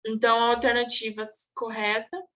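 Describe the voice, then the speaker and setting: A woman's voice: on the high side, level tone, normal speed, fairly bright tone. A woman teaching a class, going over exam answers and checking in often with her students. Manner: explanatory, checks in with "tá bom?". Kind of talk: online exam review class.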